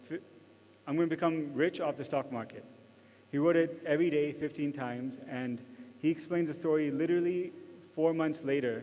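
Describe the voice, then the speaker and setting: A man with an American accent has a dark, mellow tone at a fairly high pitch. He moves at a fairly quick pace with fairly even intonation. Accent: American-sounding despite Indian upbringing. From India, Delhi. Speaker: entrepreneur, company founder. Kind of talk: conference talk. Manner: conversational with fillers.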